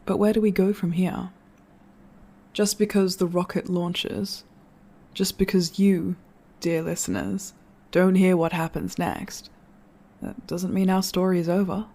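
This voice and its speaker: An actor playing a reflective storyteller in an audio drama, giving an earnest, measured farewell address to listeners. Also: medium pitch, little pitch movement, mellow. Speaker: narrator.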